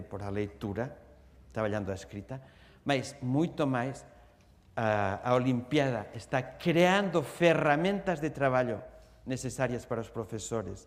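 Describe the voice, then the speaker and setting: In a Spanish accent, a medium-pitched man speaks fairly slowly with lively intonation, with audible room echo around him. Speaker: professor and education researcher. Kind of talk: lecture. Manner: halting, with many hesitations.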